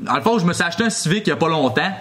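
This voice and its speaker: A young man with a Quebec French accent, talking casually and haltingly as a prank caller. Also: on the high side, expressive, fairly bright tone. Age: young adult. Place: small room indoors.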